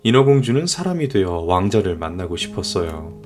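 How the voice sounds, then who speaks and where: Low, expressive man telling bedtime tales. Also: fairly quick, music in the background. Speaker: storyteller, father. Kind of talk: scripted bedtime fairy-tale narration.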